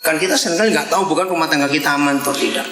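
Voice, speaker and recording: An older man preaching a lively, joking sermon to a congregation, swinging between loud bursts and quiet asides. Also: on the high side, racing, roomy sound, soft background music.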